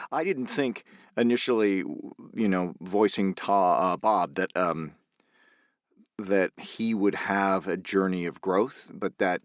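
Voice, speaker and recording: A very deep male voice, recorded dry with hardly any room around it. He speaks as an actor being interviewed, reflective and halting as he works out his thoughts. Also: no room sound.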